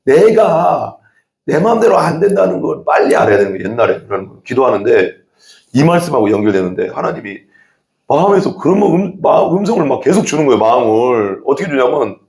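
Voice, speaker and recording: A male pastor preaching an animated sermon in a church, acting out quoted prayers and voices. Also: mid-range voice, fairly quick, gravelly, reverberant. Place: church sanctuary.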